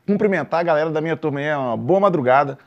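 A man, a comedian guest in a studio, cracking deadpan jokes. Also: fairly high pitch, racing, lo-fi sound. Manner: deadpan joking. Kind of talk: casual TV chat.

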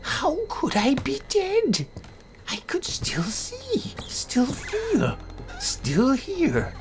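A woman giving a dramatic first-person horror narration in a theatrical, anguished, deliberate manner. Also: high-pitched, huge pitch swings. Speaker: amateur story narrator. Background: music.

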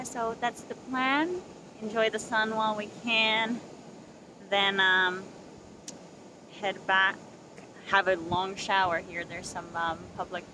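A woman vlogging casually to a handheld camera at a beach campsite, talking in a relaxed, chatty way full of fillers and restarts. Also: lowish voice. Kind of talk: casual vlog chat to camera. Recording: outdoor noise in background.

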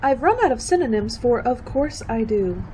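A woman's voice: a little high, animated, normal speed, a little mellow, slight background noise, natural voice. A woman playing a good-natured young college student in an old-time radio drama, with breezy, unbothered replies.

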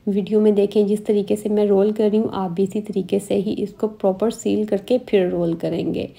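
Dark gravelly woman. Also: mid-range voice, moderate pace. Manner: calm step-by-step instructions. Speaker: cooking channel host. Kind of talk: recipe voice-over.

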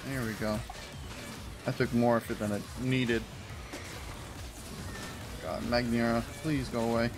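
A man's voice: mid-range voice, fairly even intonation, unhurried. A young man chatting with his teammate as they play a survival game, goofy and easygoing. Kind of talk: casual multiplayer game chat. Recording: faint background music.

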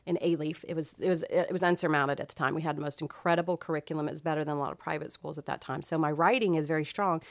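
A middle-aged woman, telling stories as a podcast guest in a chatty, expressive way. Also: low-pitched, quick pace, vocal fry, few pauses, no echo. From Texas, US. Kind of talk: casual chat.

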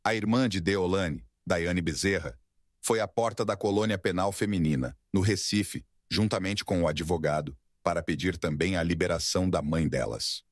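A man's voice: sits low, moderate pace, no echo, clean studio sound. A Brazilian man delivering a scripted news report as a voice-over reporter.

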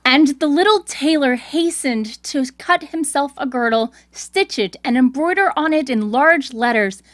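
A woman host reading scripted storybook narration in a clear storytelling delivery. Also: high voice, animated, unhurried, dry recording.

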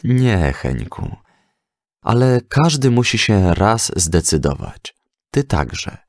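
Calm, assured storybook father read by a male narrator: low, slow, patient and instructive. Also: no echo, studio quality, heavily acted. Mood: earnest, instructive. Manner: patient, didactic. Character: calm, assured, devout father teaching his son.

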